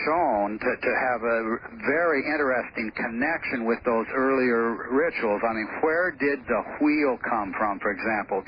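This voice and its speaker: A man's voice: mid-range voice, background noise. Man lecturing over a muffled phone line. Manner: steady lecturing with "uh" pauses. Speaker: radio guest. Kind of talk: explaining a theory on call-in radio.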